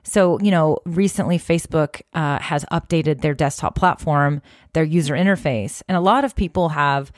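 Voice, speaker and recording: A woman hosts a social media marketing tips video, giving direct-to-camera advice in an encouraging, conversational manner full of "you know" fillers. Her voice is deep and her speed normal, with clean studio sound and no echo.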